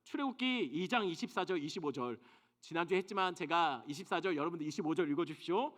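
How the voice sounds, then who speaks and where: Animated high-voiced male pastor preaching. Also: fast. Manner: animated preaching, asks the congregation questions. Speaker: senior pastor. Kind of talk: sermon. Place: church sanctuary.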